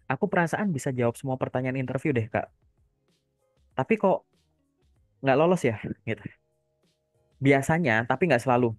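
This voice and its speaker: A man speaking as a career coach in a relaxed, casual chat, trailing off his sentences with soft fillers. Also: medium pitch, dry recording, clean studio sound.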